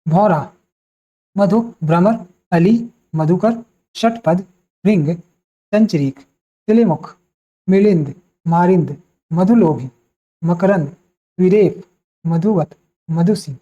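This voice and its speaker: A woman's voice: on the low side, warm tone. A woman teaching an exam-prep vocabulary lesson, reading out long word lists one by one with short asides to her students. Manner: lists words one by one, slowly and deliberately. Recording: dull lo-fi recording.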